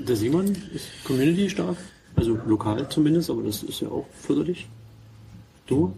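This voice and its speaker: At a moderate pace, a man with a fairly high voice uses very wide pitch swings and long, frequent pauses, with noticeable background noise and audible room echo. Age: 30s. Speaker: podcast co-host. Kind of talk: casual chat. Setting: conference venue.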